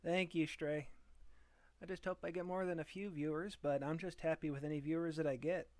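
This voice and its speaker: A man's voice: on the high side, fairly quick, no room sound. Easygoing man streaming from home. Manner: relaxed, chuckling, thinks aloud while fiddling with software. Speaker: vTuber streamer. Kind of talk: casual live-stream chat. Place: home room.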